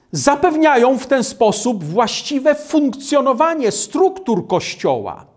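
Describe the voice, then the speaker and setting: Older guy preaching slow at a lectern, voice rising and falling a lot. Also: high-pitched. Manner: slow, deliberate delivery reading scripture aloud. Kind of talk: sermon with Bible readings. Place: studio with virtual backdrop, indoors.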